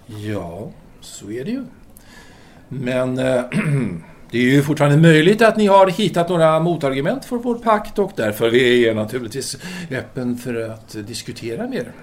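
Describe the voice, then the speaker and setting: A man's voice: mid-range voice, slight background noise, lightly acted. An actor playing a self-absorbed French intellectual lover in an audio drama, speaking formally and hesitantly as he earnestly justifies himself. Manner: formal, halting, theatrical hesitations.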